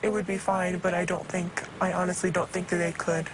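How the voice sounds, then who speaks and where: A twelve-year-old girl speaks through a voice disguise that lowers and alters her voice so her identity stays hidden. She gives short, hesitant answers. The studio recording carries clear background noise. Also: little pitch movement, brisk, rough recording. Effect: voice altered and lowered to hide identity. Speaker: talk show guest. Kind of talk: studio interview.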